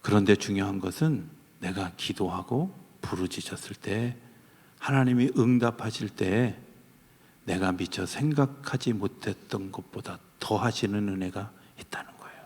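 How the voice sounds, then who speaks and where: A man's voice: lowish voice, moderate pace, a little mellow, slightly rough. A man, a pastor, preaching a sermon with humorous storytelling that rises to fervent emphasis. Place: church sanctuary. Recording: church hall reverb.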